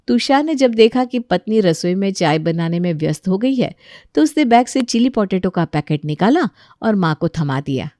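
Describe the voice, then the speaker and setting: Calm woman storyteller, dry sound. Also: fairly low pitch, no echo. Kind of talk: scripted bedtime story narration.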